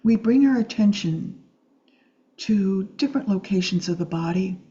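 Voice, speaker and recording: A woman with a dark, very mellow voice leads a guided meditation. She speaks gently and soothingly, leaving long, unhurried pauses between short phrases. The recording is slightly dull and muffled. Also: medium pitch, animated. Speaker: meditation teacher. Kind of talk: guided Yoga Nidra meditation.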